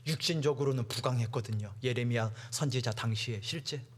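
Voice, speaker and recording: A man preaching a dramatic sermon to teenagers, acting out mocking classmates and swinging from hushed to loud. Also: medium pitch, a little fast, a little hiss or hum. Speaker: youth preacher.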